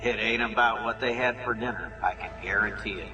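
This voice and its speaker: A man's voice: lowish voice, a little fast. A man playing an urgent, serious dig-site colleague in an amateur radio drama, talking in a grave, folksy manner. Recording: echoey, distant, with loud music.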